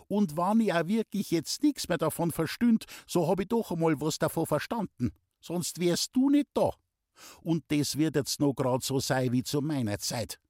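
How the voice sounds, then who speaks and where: Guy putting on a nagging old bavarian mum, voice pushed way up, very lively, dry sound. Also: on the high side, normal speed, no room sound, pitched above the performer's own voice, close to an everyday voice. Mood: scolding. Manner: scolding, fussy. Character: sharp-tongued old village mother. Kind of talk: audiobook character voice.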